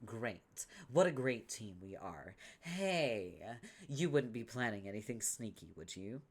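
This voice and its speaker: A man's voice: fairly low pitch, lively intonation, a little slow. A man voicing a smug, scheming young female troll with a brash, sarcastic delivery.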